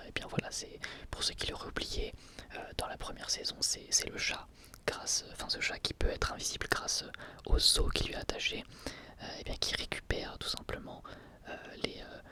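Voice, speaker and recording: A man whispering an ASMR review of an anime episode as the channel host, speaking hesitantly with frequent filler sounds and restarts. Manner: soft whisper throughout.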